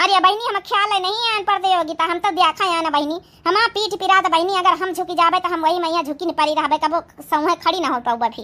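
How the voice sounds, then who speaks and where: A woman uses a cartoonish character voice at an extremely high pitch. She speaks at a very fast pace with hardly any pauses. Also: ordinary pitch variation. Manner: loud, bickering.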